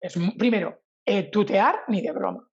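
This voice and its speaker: A woman's voice: mid-range voice, normal speed, creaky, a little mellow, slightly rough, highs cut off. A woman from Spain, a Spanish teacher being interviewed, who talks animatedly and acts out her examples with a sing-song voice. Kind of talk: casual interview talk.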